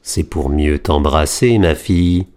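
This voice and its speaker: A woman voicing a sly male wolf in disguise, speaking slowly with a drawn-out, menacing manner. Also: rumbling low, dark tone, pitched below the performer's own voice.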